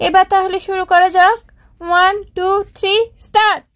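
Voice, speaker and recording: A woman's voice: very high-pitched, level tone, moderate pace, very noisy. A woman voicing a male animal referee in a children's cartoon, speaking in a formal, announcing way. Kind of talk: children's moral-story cartoon dialogue.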